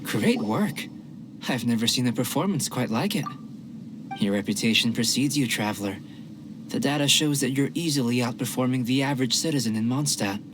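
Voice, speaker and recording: An actor playing a calm, curious young male alchemist in a video game, speaking formally and precisely. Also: medium pitch, normal speed, noisy background, natural voice. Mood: thoughtful. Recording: game music behind the voice.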